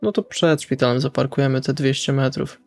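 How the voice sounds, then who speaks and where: A man's voice: mid-range voice, fairly even intonation, fairly quick, gravelly, soft background music. A man playing in a tabletop roleplaying game, speaking casually as his character.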